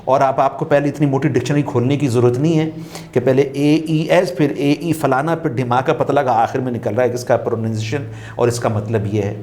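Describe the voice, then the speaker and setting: A man as a talk-show guest, speaking in an unhurried, musing way, repeating phrases for emphasis and quoting couplets. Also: mid-range voice, steady tone, darkish tone. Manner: quotes couplets while explaining. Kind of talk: reflective talk-show conversation.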